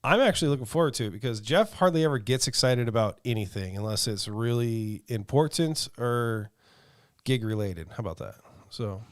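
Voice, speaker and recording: A man with a smooth, clean voice hosts a DJ podcast in easy, rambling chat, warmly teasing and throwing out "buddy" and "dude." The sound is close and dry, with no room around it. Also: mid-range voice, expressive, normal speed, no echo. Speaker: DJ and podcast co-host. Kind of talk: casual chat.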